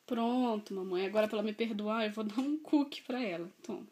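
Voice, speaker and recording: A Brazilian woman chats casually in a home vlog while bathing her pet indoors, doting on it in baby talk. Her medium-pitched, darkish voice is a little fast and is recorded from a distance.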